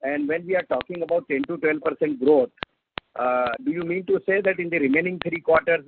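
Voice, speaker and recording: A man with an Indian accent and a fairly high voice asks questions on a conference call. He phrases things hesitantly and rambles a little. The line is very tinny, like a telephone, with clear noise. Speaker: caller, analyst asking questions.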